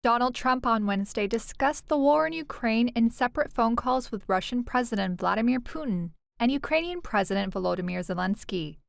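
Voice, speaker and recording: A woman's voice: on the high side, animated, a little fast, gravelly, few pauses, no echo. A woman narrating a scripted news report as a reporter, with matter-of-fact delivery.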